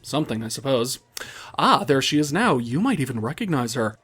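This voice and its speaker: A man voices a condescending loan shark villain in an audio drama. He is smug and coy, with a mid-pitched male voice and an oily, mocking formality that taunts as it flatters. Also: a little fast, breathy edge.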